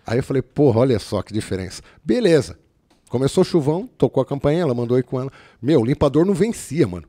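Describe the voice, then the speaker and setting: A man's voice: medium pitch, fast talker. A man from São telling a story in casual, slangy talk, acting out the voices. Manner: animated, slangy, acts out voices. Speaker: guest.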